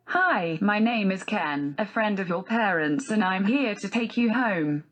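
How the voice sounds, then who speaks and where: A synthetic text-to-speech woman's voice voicing a calm man in a trench coat who is a family friend, in a storybook reading, with a flat synthetic delivery. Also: mid-range voice, unhurried.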